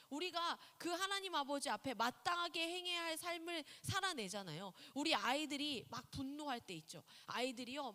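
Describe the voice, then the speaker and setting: A woman's voice: high voice, fairly bright tone. A woman pastor giving a sermon in a conversational style, asking the listeners questions. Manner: conversational preaching with rhetorical questions; acts out quoted voices. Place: church sanctuary. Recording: long hall reverb in a church.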